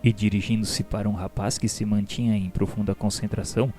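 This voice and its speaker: A man with a Brazilian accent playing an earnest, curious spirit pupil who narrates a radio drama in a measured, formal, solemn way. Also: fairly low pitch, flat delivery, natural voice. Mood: earnest, reverent. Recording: music behind the voice.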